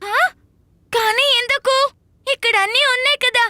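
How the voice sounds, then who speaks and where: A performer voicing an excitable, curious small child in a children's cartoon, with drawn-out exclamations. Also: very high-pitched, no echo, studio quality, full character voice. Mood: puzzled, earnest. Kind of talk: animated children's cartoon dialogue.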